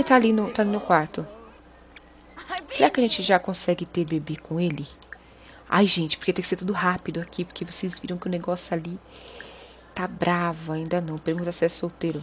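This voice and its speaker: A woman hosting a gaming video, chatty and excitable as she exclaims to her viewers. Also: fairly low pitch, a little hiss or hum. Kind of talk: casual let's-play commentary.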